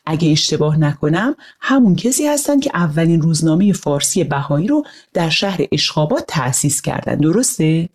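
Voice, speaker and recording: A woman voicing a kind, patient father who explains things gently in a storybook reading. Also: low-pitched, sing-song, few pauses, full character voice. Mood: gentle. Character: gentle, thoughtful father telling stories.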